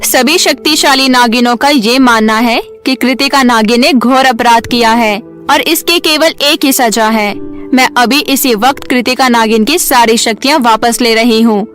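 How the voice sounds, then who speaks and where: A woman voicing a stern, imperious serpent queen who makes formal, commanding pronouncements in an animated story. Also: a little high, normal speed, faint music behind, natural voice.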